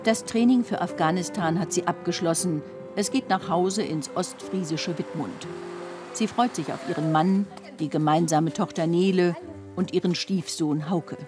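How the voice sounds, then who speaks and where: A woman's voice: fairly low pitch, normal speed, music in the background. A woman reading scripted narration for a television documentary report.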